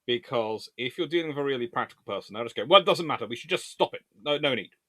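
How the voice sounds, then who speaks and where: A man's voice: medium pitch, expressive, fast talker, fairly bright tone, dry recording. A man hosting an informal history Q&A, talking in a discursive, emphatic way as he reasons through debates. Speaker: naval history video host. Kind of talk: informal explainer and viewer Q&A.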